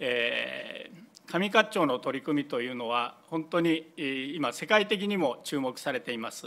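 A man's lively intonation at a fairly slow pace. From Japan. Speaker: company president; presenter. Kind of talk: conference presentation. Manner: hesitant fillers. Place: hall. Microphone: podium.

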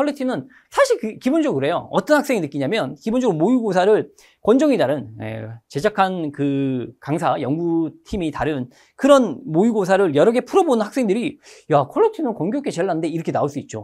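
A high-pitched man speaks at a fairly quick pace, his pitch swinging very widely. The background is quiet. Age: 40s. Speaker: exam prep lecturer. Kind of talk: lecture. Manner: animated. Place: studio.

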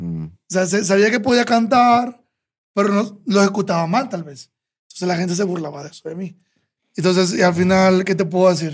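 A man's high-pitched voice at a moderate pace, with big swings in loudness and a quiet background. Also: ordinary pitch variation. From Nicaragua. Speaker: rock band singer; podcast guest. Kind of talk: casual chat. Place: studio. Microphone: studio mic.

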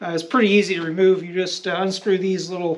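The man's voice is high in pitch, with fairly even intonation. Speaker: DIY tractor owner. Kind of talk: tutorial. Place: garage.

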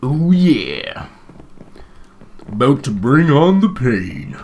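In a put-on character voice, a man talks at a very slow pace, his fairly high pitch making very wide swings. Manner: put-on, gruff and boastful.

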